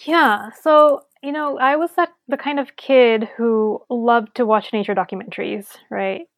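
A woman's voice: a little high, fairly even intonation, measured pace, gravelly, no room sound. A woman from Sri Lanka, a conservation scientist, speaking as a guest in a casual interview, chatty with many fillers and restarts.

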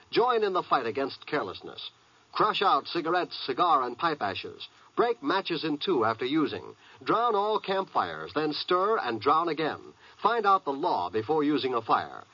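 Emphatic, forceful, raspy male announcer. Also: a little high, no room sound. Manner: earnest, emphatic. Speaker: public service announcer. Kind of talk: scripted 1950s radio public service announcement. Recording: dull, dry old radio recording.

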